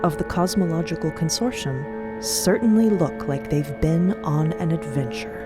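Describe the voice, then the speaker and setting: A woman's voice: low-pitched, animated, moderate pace. A woman narrating a scripted dramatic story, with wry, conversational asides. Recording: loud music under the voice. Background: loud music bed.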